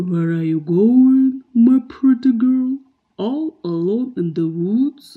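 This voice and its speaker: A woman uses a put-on character voice with fairly high pitch, speaking at a very slow pace. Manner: menacing.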